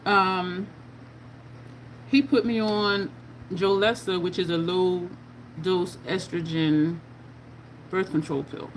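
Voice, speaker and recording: A woman's voice: on the low side, steady tone, takes it slowly, pauses often, a little hiss or hum, low-quality recording. A woman in her fifties chatting candidly while doing her makeup, answering viewer questions in a frank, conversational way. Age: 50s. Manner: candid, chatty, reading viewer comments aloud. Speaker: makeup vlogger.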